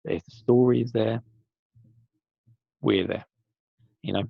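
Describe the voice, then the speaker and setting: A man talks casually with a rough, husky voice that comes from a sore throat, wandering and correcting himself as he goes. His voice sits low and gravelly. The recording is dull and dry, like a lo-fi home mic. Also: fairly even intonation, a little slow, no room sound. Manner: chatty, rambling, self-correcting. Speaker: podcast guest segment presenter. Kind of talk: casual pre-recorded segment.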